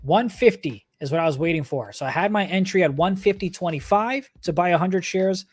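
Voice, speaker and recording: Speaking briskly in a high voice with a breathy edge, this stock trader hosts a livestream and chats casually through his chart commentary. He addresses his viewers directly as background music plays.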